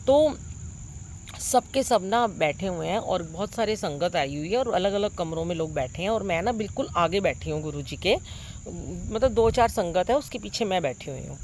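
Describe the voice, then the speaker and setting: A middle-aged woman telling a congregation about a dream. She sounds full of wonder and earnest, with lots of pauses and fillers, recorded on a phone propped nearby. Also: on the low side, lively intonation, darkish tone, a little hiss or hum. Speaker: devotee sharing a dream with a congregation. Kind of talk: devotional storytelling.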